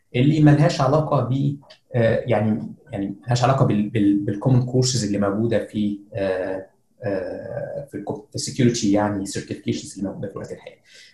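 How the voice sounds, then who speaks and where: This man's voice sits at a medium pitch, somewhat breathy with a dark, mellow tone, moving at a fairly quick pace with ordinary pitch variation. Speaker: security researcher. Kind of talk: interview.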